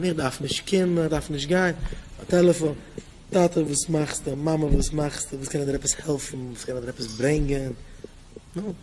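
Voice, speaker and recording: A man giving a Yiddish Torah talk with a Hasidic accent and English words mixed in, acting out parents and children as he tells his stories. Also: a little hiss or hum. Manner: acts out parent and child voices, pitch jumping up and down. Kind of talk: Yiddish sermon with animated storytelling.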